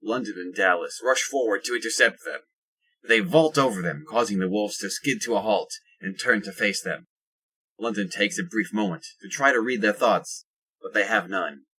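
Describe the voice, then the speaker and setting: A man narrating a scripted audio drama in a husky voice. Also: lowish voice, normal speed, sharp tone, rough recording.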